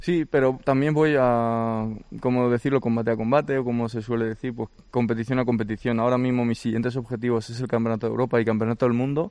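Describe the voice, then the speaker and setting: Racing at a very fast pace, a man of medium pitch holds a fairly even intonation. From Georgia, raised in Spain from age 7-8. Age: 20s. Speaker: judo athlete. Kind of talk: interview. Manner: halting, with many repetitions.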